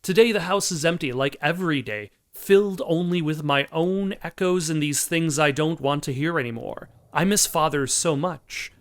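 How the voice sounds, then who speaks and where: A man playing a video game who reads its text aloud in a plain, measured way, with casual asides. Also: fairly high pitch. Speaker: let's play host.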